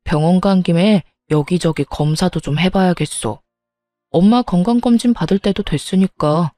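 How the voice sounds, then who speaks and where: A woman's voice: on the low side, normal speed, dark tone, dry recording, soft background music, lightly acted. A woman voicing an overworked husband who talks earnestly to his wife in a story reading. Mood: concerned. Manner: earnest, pleading. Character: overworked husband, pleading then worried. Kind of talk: storytelling narration.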